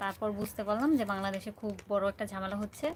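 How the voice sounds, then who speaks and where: Medium-pitched woman's voice with fairly even intonation. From Bangladesh, Gazipur. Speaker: vlogger. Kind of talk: livestream chat. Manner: halting.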